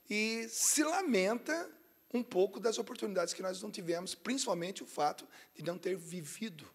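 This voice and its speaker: Raspy-voiced TV host, gravelly and emphatic. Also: male voice, a little high. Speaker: TV program host.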